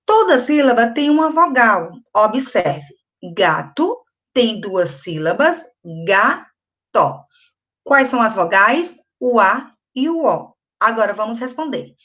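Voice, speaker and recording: Slow, patient woman teaching young kids. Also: on the high side, very animated, fairly bright tone. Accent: Brazilian Portuguese. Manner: slow, patient, syllable-by-syllable explaining with questions to pupils. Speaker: first-grade teacher. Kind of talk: video lesson for young children.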